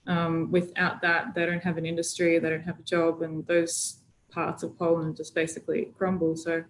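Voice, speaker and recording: Low-voiced woman activist on a video call. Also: moderate pace, a little hiss or hum, rough recording. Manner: relaxed, chatty storytelling with frequent fillers. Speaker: climate activist guest. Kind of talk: casual video-call interview.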